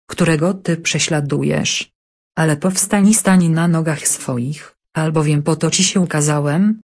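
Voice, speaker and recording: A woman reading Bible passages and study questions in an even, measured way. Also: sits low, slightly rough. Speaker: scripture reader.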